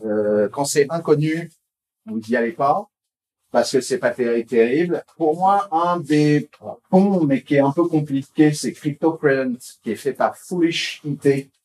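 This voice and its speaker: A man's voice: fairly high pitch, darkish tone. Rambling man giving a tech talk. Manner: rambling, halting delivery with many fillers and repeated words; informal, chatty tone. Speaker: conference speaker. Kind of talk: technical conference presentation.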